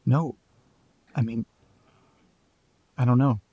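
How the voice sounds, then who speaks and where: A man's voice: medium pitch, steady tone, slow, dark tone, husky, highs cut off. An actor playing a troubled young man who doubts his father, talking in an insistent, searching way. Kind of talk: audio drama dialogue.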